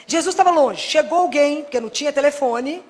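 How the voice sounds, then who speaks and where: A Brazilian woman with a Brazilian Portuguese accent, a Catholic preacher giving a sermon to a live congregation, lively and full of rhetorical questions to the audience. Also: high voice, fairly quick.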